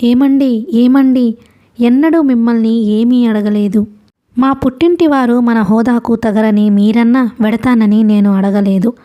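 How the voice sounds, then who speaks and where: A woman reads as an anxious mother in a storybook reading, pleading and pitiful. The voice is fairly high and soft-toned. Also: fairly even intonation, unhurried, close to an everyday voice.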